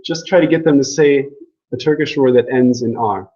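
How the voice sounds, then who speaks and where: A man's voice: mid-range voice, normal speed, dark tone, highs cut off. A man giving a casual classroom lecture on language, joking and asking the class questions. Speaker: language teacher.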